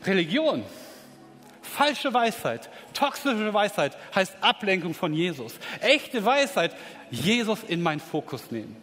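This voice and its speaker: A man preaching a sermon with emphatic, rising delivery that swings between quiet stretches and excited peaks. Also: high voice, unhurried. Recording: reverberant hall.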